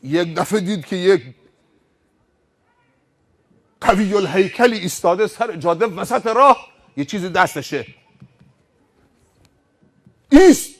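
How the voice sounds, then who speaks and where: A man's voice: high voice, animated, pauses often, fairly bright tone. A man preaching a sermon, telling stories emphatically and acting out the scenes. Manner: emphatic, vivid, acts out scenes. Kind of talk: sermon with dramatized storytelling.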